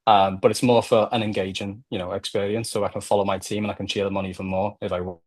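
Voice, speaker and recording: A man's voice: on the low side, level tone, fast talker, no echo. A man with a Liverpool accent talking casually and explaining things on a podcast, often checking in with "right?". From Liverpool, England. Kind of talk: casual conversational podcast discussion.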